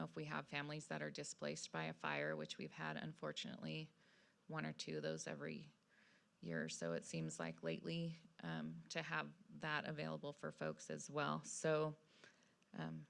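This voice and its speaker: A woman's voice: low voice, expressive, moderate pace, creaky. A woman on a city council explaining her position in a conversational way.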